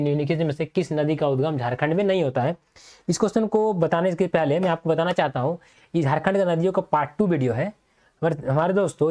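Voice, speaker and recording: A man's voice: a little high, mellow. A male teacher giving an exam-prep lecture, asking and answering his own questions and repeating key points so students remember them.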